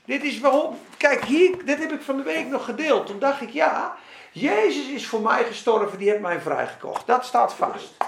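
A man's voice: extremely high pitch, creaky, reverberant, a little hiss or hum. A man preaching informally and fervently to a friend, speaking straight to her as he works through scripture. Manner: fervent, animated, speaks directly to the listener. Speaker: lay preacher.

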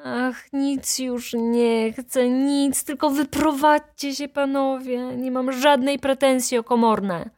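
A woman playing a shrill, wailing baroness. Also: measured pace, mellow. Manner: wailing, high-strung complaints. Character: shrill hysterical middle-aged baroness, plaintive.

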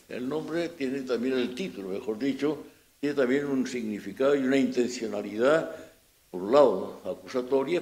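A man with a Peninsular Spanish accent addresses an audience at a book presentation in a loose, unscripted way. He keeps stumbling and restarting, repeating small words as he searches for the phrasing, and gives his remarks a critical, ironic edge. His voice sits at an ordinary middle pitch for a man. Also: darkish tone. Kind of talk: informal public talk.

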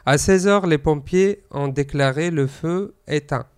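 A man's voice: a little high, measured pace, smooth. A man whose first language is Arabic, reading a news item on a talk show with some hesitations. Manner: reads with hesitations and fillers. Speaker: news segment presenter.

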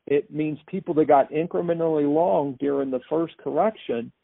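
A man's voice: fairly high pitch, normal speed, vocal fry, husky, dry recording. A man giving unscripted financial commentary as an analyst, with opinionated, emphatic phrasing. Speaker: market commentator. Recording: thin phone-like line.

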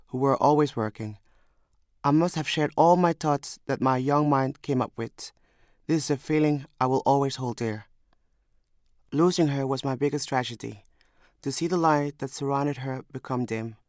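A young man from Somalia reads a scripted first-person memoir in a measured, reflective way. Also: mid-range voice, no room sound, studio quality. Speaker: storyteller.

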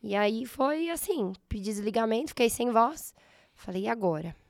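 A slightly hoarse woman in her thirties with a Brazilian accent, telling her story in a casual interview and acting out her past thoughts. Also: a little high, animated, normal speed, no room sound, studio quality. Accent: Brazilian Portuguese. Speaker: guest, entrepreneur.

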